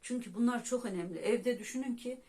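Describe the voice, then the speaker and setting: A woman's voice: fairly high pitch, a little fast, warm tone. A woman vlogger telling viewers a heartfelt personal story with religious devotion, speaking directly to them as friends.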